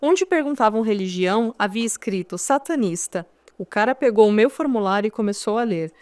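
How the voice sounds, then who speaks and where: A woman's voice: medium pitch, expressive, fairly quick, darkish tone, no room sound. A woman with a Brazilian Portuguese accent reading a first-person memoir audiobook in a conversational storytelling manner, with wry asides to the listener. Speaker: audiobook narrator.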